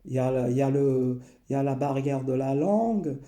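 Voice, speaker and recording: A man, recalling his past slowly and hesitantly, often pausing and repeating himself. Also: mid-range voice, warm tone, echoey room. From Portugal. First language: Portuguese. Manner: hesitant, many pauses and repeated phrases. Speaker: memoir narrator. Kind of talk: slow personal recollection.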